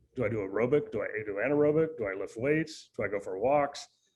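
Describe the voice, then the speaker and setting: Using an unremarkable speaking voice, a man talks at a moderate pace and fairly high pitch with lively intonation. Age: 60s. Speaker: medical fitness clinic founder and trainer. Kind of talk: interview.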